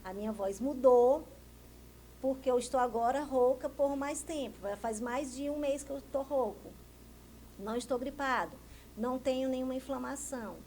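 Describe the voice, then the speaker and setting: A Brazilian woman with a somewhat high voice answers interview questions as a speech therapist. She explains things carefully and keeps posing questions she answers herself. A faint noise sits under her voice. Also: moderate pace, warm tone, rough recording. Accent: Brazilian Portuguese. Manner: didactic, asks and answers her own questions. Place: TV news studio.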